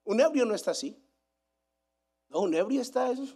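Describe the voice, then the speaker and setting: A man's voice: extremely high pitch, expressive, brisk, dark tone, husky. A male pastor preaching a sermon, emphatic and repetitive, asking his congregation rhetorical questions. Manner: emphatic preaching, repeats phrases for weight.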